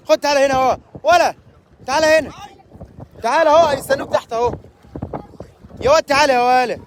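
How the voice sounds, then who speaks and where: A man with an Egyptian accent, hosting a boat trip vlog outdoors at sea, loudly teasing and urging people on. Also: very high-pitched, slight background noise. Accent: Egyptian Arabic. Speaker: tour host.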